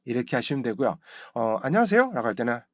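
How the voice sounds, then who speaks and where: Male pronunciation teacher, lively up-and-down delivery, dry close recording, drills words repeatedly. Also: medium pitch, quick pace, no echo. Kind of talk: pronunciation lesson.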